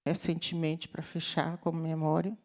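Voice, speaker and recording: A woman's voice: deep voice, monotone, unhurried. A woman giving heartfelt closing remarks on a discussion panel. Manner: heartfelt, moved.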